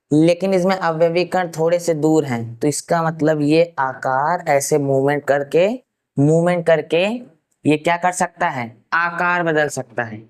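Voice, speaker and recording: Man with a smooth, resonant teaching voice. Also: a little high. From Uttar Pradesh, India. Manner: asks rhetorical questions and answers them himself; repeats key terms slowly for note-taking. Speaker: science teacher. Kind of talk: classroom science lecture.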